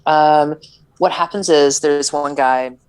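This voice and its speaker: A woman with a notably deep, low voice chatting loosely on a podcast as she recaps a film. She rambles along with constant "like" fillers, tripping over tricky words and chuckling now and then. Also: fairly even intonation, slow, darkish tone, smooth, low-quality recording. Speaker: podcast co-host. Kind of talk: casual movie recap chat.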